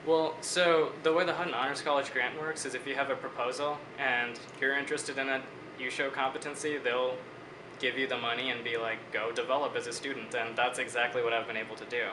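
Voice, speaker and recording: A man in his twenties from Bangladesh, a student answering interview questions in a measured, reflective way. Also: mid-range voice, flat delivery, roomy sound, noisy background. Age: 20s.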